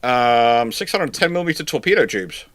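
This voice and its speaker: Bright-voiced man hosting a casual chat. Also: medium pitch, expressive, normal speed, dry recording. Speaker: host. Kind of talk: casual live question-and-answer chat.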